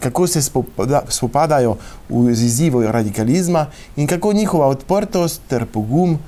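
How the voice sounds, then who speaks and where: A man's voice: medium pitch, expressive, normal speed, mellow. Man hosting a TV interview. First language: Slovenian. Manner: hesitant, many fillers in French. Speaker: TV host and interviewer. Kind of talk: scripted introduction then interview.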